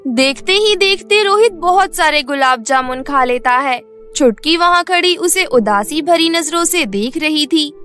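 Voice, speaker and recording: Female storybook narrator, very high and light, steady bedtime telling. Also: measured pace, faint music behind.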